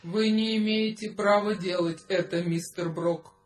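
An actor in a radio play voicing an officious talking answering machine, formal, insistent and protesting. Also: male voice, sits high, fairly even intonation, measured pace. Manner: formal, servile but insistent, repetitive announcements.

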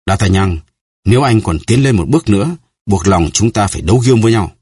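A man's voice: on the low side, animated, darkish tone, slightly rough, no room sound, clean studio sound. Man reading as a cold, stern nobleman. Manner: cold, measured and slow.

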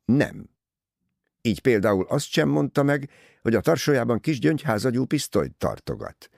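A man voicing a small, courteous Belgian detective in an audiobook, measured, polite and probing. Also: medium pitch, very animated, vocal fry, a little mellow, no echo, studio quality, pitched above the performer's own voice. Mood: calm, insistent.

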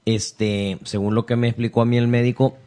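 A man's voice: medium pitch, flat delivery, normal speed, warm tone. A man, co-hosting a casual radio chat and explaining things at length.

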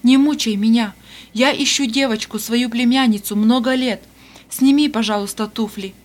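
Woman doing a gentle, tearful aunt in black. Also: on the high side, fairly even intonation, moderate pace, lightly acted. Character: grieving woman in black, stern then tender aunt.

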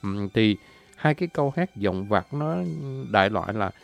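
A man giving an informal spoken lecture. He politely addresses his listeners and fills pauses with drawn-out "à" sounds. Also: lowish voice, animated, faint music behind. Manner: frequent drawn-out "à" fillers between phrases. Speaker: presenter explaining folk singing.

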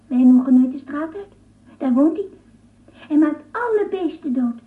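A woman's voice: sits high, expressive, unhurried. A woman playing a naive, curious small child in a radio drama, eagerly asking questions, both thrilled and scared. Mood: scared, fascinated. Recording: distant, phone-like archive radio recording.

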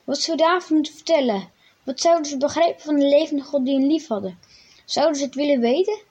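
A woman's voice: high voice, a little fast, a little mellow. A woman reading a children's Bible story aloud and then speaking directly to children, in plain read-aloud narration. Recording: dull lo-fi recording.

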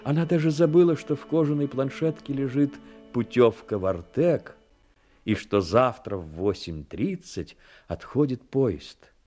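A man narrating a Soviet war radio drama in a dramatic, measured literary storytelling manner. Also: medium pitch, animated, warm tone, faint music behind.

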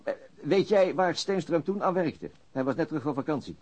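An actor playing a weary, apologetic, dogged police detective with a raw throat and hesitant manner in a radio drama. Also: male voice, fairly high pitch, lively intonation, brisk, darkish tone. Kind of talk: naturalistic radio drama dialogue.

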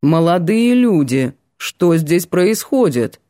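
A woman voicing a pompous elderly male history professor who speaks slowly and self-importantly. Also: on the low side, very animated, mellow, no echo, studio quality. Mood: stern.

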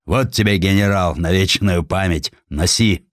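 Man playing a deep, blunt cavalry general. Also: unhurried, no echo, clean studio sound. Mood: angry. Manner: blunt, soldierly. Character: burly, gruff, forthright middle-aged cavalry general, a man.

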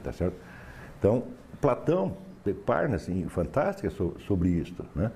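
A man's voice: on the low side, very animated, moderate pace, gravelly, dark tone, slight background noise. A man giving a philosophy lecture to a class, emphatic and sardonic, often asking for assent.

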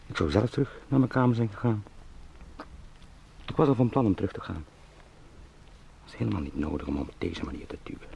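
An actor playing a travelling salesman turned beetle in a radio drama, thinking aloud in halting murmurs, oddly calm and resentful. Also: on the low side, creaky, lo-fi sound, a little hiss or hum, heavily acted. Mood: musing, halting. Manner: halting, murmured fragments, sometimes whispering. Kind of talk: radio drama, slow interior monologue.

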